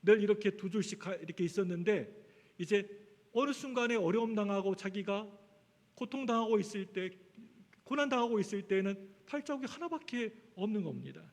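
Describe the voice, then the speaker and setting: A man's voice: sits high, animated, fairly quick, a little mellow. A male pastor preaching a Sunday sermon, earnest and building to emphatic appeals to the congregation. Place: church sanctuary. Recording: echoey church hall.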